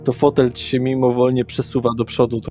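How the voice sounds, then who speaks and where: A man's voice: medium pitch, flat delivery, fairly quick, darkish tone. A man working as game master, narrating a tabletop role-playing scene in a casual, conversational way. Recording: music under the voice. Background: background music.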